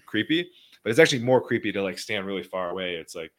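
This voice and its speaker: A man co-hosting a podcast, chatting in a jokey, quick, filler-heavy way. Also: lowish voice, expressive, a bit bright. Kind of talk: casual chat.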